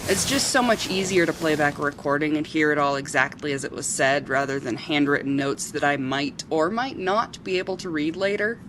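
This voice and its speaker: A woman playing a low-voiced, inquisitive reporter. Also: a little fast, few pauses, noisy background, natural voice. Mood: friendly, curious. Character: friendly, inquisitive woman news reporter from Ohio. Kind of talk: amateur radio drama dialogue.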